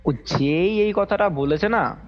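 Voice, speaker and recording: A man's voice: high-pitched, slow pace. A young man tells his own experience casually on a call, rambling and repeating himself as he goes. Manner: animated, repetitive, rambling retelling with acted-out quotes. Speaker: caller recounting a personal experience. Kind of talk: casual spoken storytelling. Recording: dull lo-fi call recording over music.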